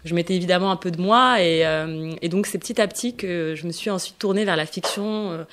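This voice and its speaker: A woman's voice: lowish voice, fairly quick, fairly bright tone. A woman in her thirties from Morocco, a novelist answering radio interview questions with many fillers and restarts. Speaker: novelist guest.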